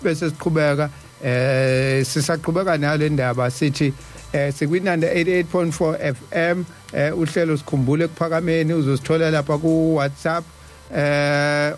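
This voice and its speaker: Speaking at a moderate pace in a steady tone, a live radio host with a voice on the high side chats casually, frequently stammering and repeating syllables. He has a South African Zulu-speaking accent, and music plays in the background.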